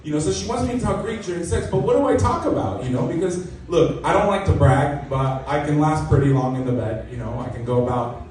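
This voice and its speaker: A young man from Canada doing a self-mocking, deadpan stand-up set in a comedy club, with lots of "you know". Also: on the high side, brisk, few pauses. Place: comedy club stage, live audience. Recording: echoey club recording from a distance. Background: audience laughter.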